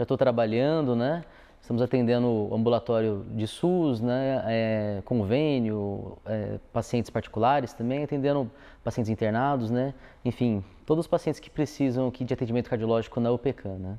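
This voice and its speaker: The man has a dark, mellow tone and ordinary pitch variation. His pace is moderate. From northern Paraná, Brazil (Londrina). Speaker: cardiologist. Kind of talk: interview. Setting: hospital. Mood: relaxed, friendly. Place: office. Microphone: lapel.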